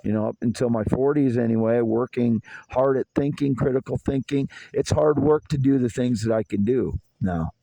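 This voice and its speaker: A man's voice: medium pitch, moderate pace, gravelly, hardly any pauses, mellow, no room sound, rough recording. A man in his fifties delivering a rambling, aggrieved solo monologue outdoors in a yard at night. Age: 50s. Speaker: vlogger.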